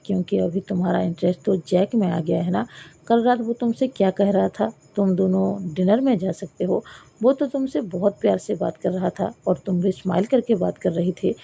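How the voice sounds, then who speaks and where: A woman's voice: mid-range voice, normal speed, creaky, mellow, breathy edge, full character voice. A woman reading as a jealous young woman boss. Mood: jealous, accusing. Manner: pleading, then accusing. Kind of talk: storybook reading.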